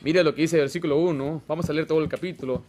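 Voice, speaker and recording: A man preaching a Baptist sermon as pastor, asking the congregation questions and swinging from loud exhortation to quiet asides. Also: on the high side, fairly even intonation, racing. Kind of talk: Spanish-language Baptist sermon. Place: church sanctuary.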